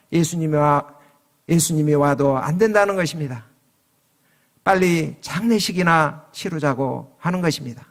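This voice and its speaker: A man preaching a sermon as pastor, switching into raised voices for quoted lines. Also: a little high. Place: church sanctuary. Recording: long reverb of a church hall.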